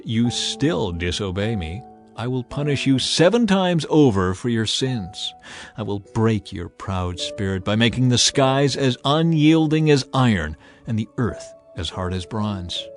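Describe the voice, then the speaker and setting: A man playing a stern, authoritative God in a dramatized scripture reading, speaking in a solemn, commanding, deliberate way. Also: medium pitch, lightly acted. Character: God of the Bible, stern, authoritative male lawgiver.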